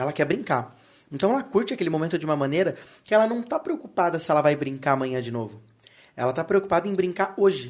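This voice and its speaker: Pitched high, a man talks at a very fast pace with very wide pitch swings. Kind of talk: casual chat.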